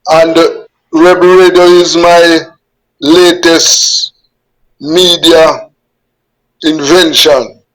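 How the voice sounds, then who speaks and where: A Jamaican man, fifties or sixties, speaks slowly and carefully as an interview guest over a webcam. His voice sits fairly high for a man. He often repeats a word or two while he settles on what to say. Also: little pitch movement, a bit bright, low-quality recording. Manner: measured, repeats words while forming thoughts. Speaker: guest journalist. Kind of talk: unhurried interview answers. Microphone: webcam on a video call.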